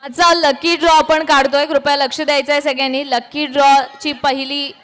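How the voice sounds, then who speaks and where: A woman announcing at a public event, formally addressing the crowd, her voice carried through an outdoor loudspeaker. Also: sits high, little pitch movement, moderate pace, in a large hall.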